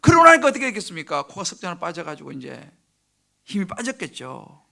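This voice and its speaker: A middle-aged male pastor preaching a sermon in church, telling stories lively, acting out prayers and dropping from loud bursts to hushed near-whispers. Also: high-pitched, fast talker, gravelly. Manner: animated storytelling, acts out quoted prayers and crying. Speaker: senior pastor. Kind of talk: sermon at a midweek service. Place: church sanctuary.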